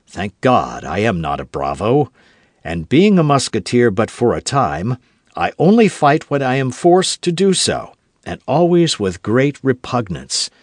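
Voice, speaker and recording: A man voicing a suave, cool-headed young musketeer with a churchman's calm, talking low and measured with a dry, mocking edge. His phrasing still rises and falls widely, read on a dry, close mic. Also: no room sound. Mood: cool, reproving. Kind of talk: audiobook character voice.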